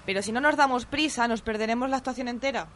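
Audio drama, young actress as insistent conservatory student: higher-pitched, bossy, studious, faintly noisy recording. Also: female voice, fast, fairly bright tone, natural voice. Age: young adult.

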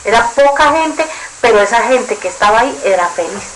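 A woman from Colombia with a Colombian accent, recounting a dream in a halting way, with many restarts and pauses to search for words. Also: a little high, lively intonation, very noisy. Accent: Colombian Spanish. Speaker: interviewee giving a testimony.

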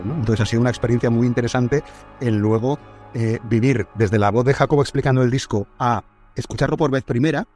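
A man working as a music manager, answering interview questions in a halting way with many restarts. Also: mid-range voice, darkish tone.

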